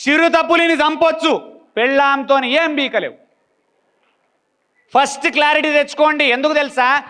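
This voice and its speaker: A man's voice: very high-pitched, fairly even intonation, normal speed, sharp tone. A man giving a blunt motivational talk, full of repeated rhetorical questions. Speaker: motivational speaker.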